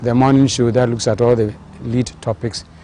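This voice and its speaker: The speaker is a man with a medium-pitched voice. His intonation is monotone and flat. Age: 60s. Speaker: senior journalist. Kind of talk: TV interview.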